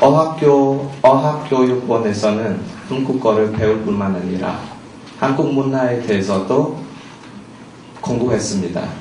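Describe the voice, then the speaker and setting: A man with a Cambodian accent speaks at a very slow pace with long, frequent pauses. Noticeable background noise and audible room echo are present. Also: medium pitch for a man, lively intonation. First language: Khmer (speaking Korean). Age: 20s. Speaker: exchange student, speech contestant. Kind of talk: speech contest address. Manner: halting, with fillers.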